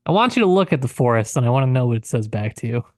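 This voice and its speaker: A man's voice: mid-range voice, big pitch swings, very fast, no echo, clean studio sound. A man co-hosting a casual literary discussion, analysing in a tentative, hedging way. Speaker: podcast co-host.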